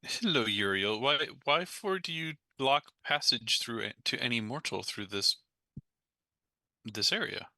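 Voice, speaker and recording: A man's voice: medium pitch, expressive, unhurried, vocal fry, bright, forceful tone, dry recording. A man playing a tabletop role-playing game, talking casually in character.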